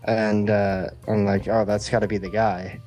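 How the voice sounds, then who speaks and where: A man's voice: on the low side, flat delivery, moderate pace, a little mellow, faint music behind. A man hosting a podcast, telling a rambling, casual comic story and acting out the dialogue. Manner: rambling, acts out quoted dialogue. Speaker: podcast host.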